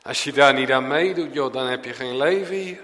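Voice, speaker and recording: A man preaching a sermon, full of rhetorical questions, swinging between loud declarations and hushed asides. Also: medium pitch, moderate pace, big-room sound.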